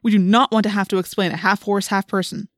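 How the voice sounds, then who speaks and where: A woman's voice: medium pitch, little pitch movement, fast talker, no echo, clean studio sound, natural voice. Tense teenage boy leader, read by a woman. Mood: urgent. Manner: urgent, guarded. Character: tense teenage boy hero, quick to take charge. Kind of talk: audiobook character voice.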